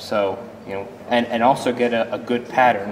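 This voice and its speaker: Over noticeable background noise, a man with an American accent speaks at a medium pitch with fairly even intonation. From USA. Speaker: small engine hobbyist video maker. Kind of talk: casual chat.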